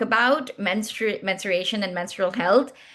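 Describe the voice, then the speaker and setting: A woman speaks with a Pashto accent against a quiet background. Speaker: game platform founder. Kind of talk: panel discussion.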